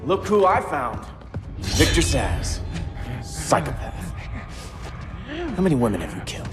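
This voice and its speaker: An actor playing a scornful, arrogant young vigilante in a game cutscene, with a sneering, contemptuous delivery. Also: male voice, mid-range voice, big pitch swings, unhurried, music in the background. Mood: mocking. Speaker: game character.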